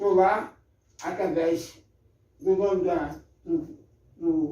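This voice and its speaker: Speaking at a very slow pace, a man uses a high pitch and lively intonation. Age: 60s. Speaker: samba veteran. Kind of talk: interview.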